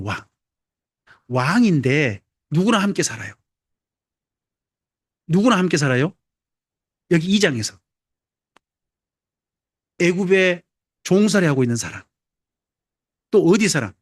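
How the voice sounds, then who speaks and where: A high-voiced, animated pastor from Jeolla, South Korea, gives a playful, talkative sermon peppered with questions for the congregation. It's recorded close and dry, without any echo.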